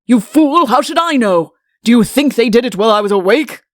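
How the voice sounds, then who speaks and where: A woman's voice: a little high, lively intonation, a little fast, no echo, studio quality, close to an everyday voice. A woman voicing a pompous, stern, irritable middle-aged king in a comic fairy-tale audiobook, with an imperious, curt manner. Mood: irritated.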